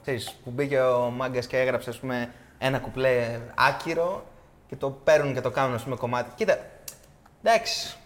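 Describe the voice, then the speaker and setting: Young dude on a podcast, mid-pitched, slangy, says bro a lot. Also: male voice. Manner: slangy, calls others bro, mixes English words. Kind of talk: casual podcast chat.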